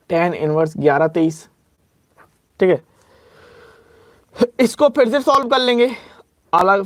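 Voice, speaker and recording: Here a young man with a voice that sits high teaches exam-prep maths, and there is no echo. He keeps reminding students to take care, solves sums aloud step by step, slows when dictating formulas and picks up speed on side remarks.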